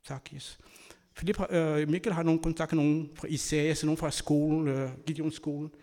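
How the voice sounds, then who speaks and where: A man giving an earnest sermon, telling personal stories and moving between loud and soft delivery. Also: a little high, flat delivery. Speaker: church speaker; school worker.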